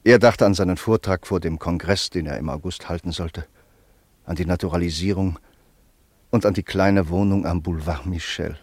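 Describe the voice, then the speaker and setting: A man narrating a scripted radio play in a sober, measured way. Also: deep voice, darkish tone, husky, no room sound.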